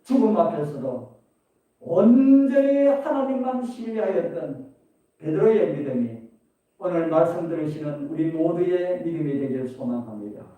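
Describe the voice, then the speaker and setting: Middle-aged guy preaching, lively up-and-down voice, lots of questions, sounds distant. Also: a little high, normal speed, phone-quality sound. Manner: preaching with rhetorical questions, rising and falling emphasis. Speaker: pastor. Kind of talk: sermon. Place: church sanctuary. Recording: echoey hall, distant mic.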